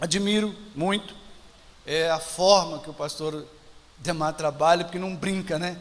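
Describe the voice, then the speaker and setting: Here a man with a Mozambican accent speaks at a high pitch, showing ordinary pitch variation. Audible room echo and noticeable background noise fill the recording. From Mozambique. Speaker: missionary pastor. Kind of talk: sermon.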